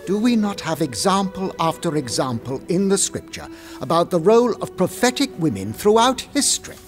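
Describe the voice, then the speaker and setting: A man's voice: high voice, sing-song, moderate pace, faint music behind. A man playing an earnest, learned churchman in an audio drama, arguing formally and persuasively. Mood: earnest advocacy.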